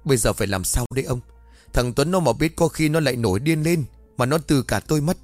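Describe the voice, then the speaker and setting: A man's voice: medium pitch, animated, quick pace, no echo, natural voice. Guy doing a nasty scheming old lady, snaps at everyone, dry close voice, faint music under it. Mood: flustered. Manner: harsh, sharp-tongued scolding. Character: cruel scheming older woman, household mistress.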